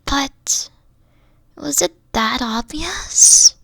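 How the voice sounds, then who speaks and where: A gentle, weary fox-spirit girlfriend from an audio roleplay, voiced by a young woman. Her voice sits high and her speech moves slowly, soft and halting as she trails off. It sounds dry and close, with no room around it. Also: animated, vocal fry, dry recording, full character voice. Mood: vulnerable. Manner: soft-spoken, hesitant, trailing off.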